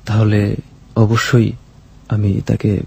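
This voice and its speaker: A man with a Bangladeshi accent answering personal questions as a guest, in a plain, sincere, halting way. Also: lowish voice, monotone, gravelly, a little mellow, breathy edge. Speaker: guest telling his life story. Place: radio studio.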